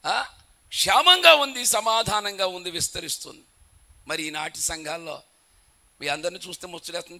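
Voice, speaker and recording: A man preaching a sermon, telling humorous stories and building to loud, emphatic declarations. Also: sits high.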